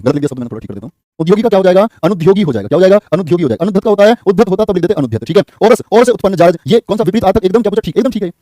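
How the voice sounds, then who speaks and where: Rapid-fire Hindi teacher, brisk and teasing. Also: male voice, sits high, warm tone, no echo, clean studio sound. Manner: brisk, drilling questions, teasing students. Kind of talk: online exam-prep class.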